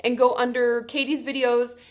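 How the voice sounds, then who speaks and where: A woman's voice: fairly high pitch, little pitch movement, moderate pace. A young woman therapist with a congested, stuffy nose, giving chatty, reassuring advice to viewers and correcting herself as she goes. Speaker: therapist answering viewer questions. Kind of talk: casual advice vlog.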